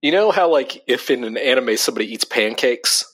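A man's voice: mid-range voice, animated, brisk, a bit bright, slightly rough. A young adult man co-hosting a casual podcast chat, talking loosely with lots of fillers and easy laughs. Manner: chatty, laughs easily, frequent "like" fillers. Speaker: podcast co-host.

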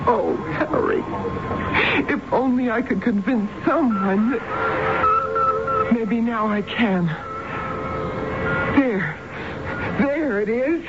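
Desperate wife, muffled noisy radio. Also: female voice, a little high, takes it slowly, long pauses. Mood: anguished, insistent. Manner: urgent, dramatic, pleading. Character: distraught wife insisting her alien visions are real. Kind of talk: 1970s radio drama acting.

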